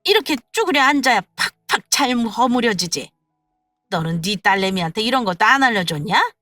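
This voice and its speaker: A petty older mother-in-law, put on by a woman reading a story, nagging in a high, shrill voice that climbs as she scolds. The sound is dry and close. Faint music plays underneath. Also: lively intonation, measured pace, fairly bright tone, no room sound.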